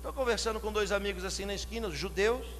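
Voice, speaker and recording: A man from São Paulo with a São Paulo Portuguese accent, preaching a sermon, questioning the congregation and building to loud shouted climaxes. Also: sits high, quick pace. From São Paulo, Brazil. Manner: asks the congregation direct questions. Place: church hall. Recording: long hall reverb, faint hum.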